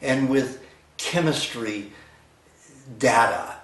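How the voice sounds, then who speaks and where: Ordinary pitch variation, with audible room echo and noticeable background noise. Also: man. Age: 60s. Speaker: nutritionist. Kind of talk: persuasive testimonial monologue. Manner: animated.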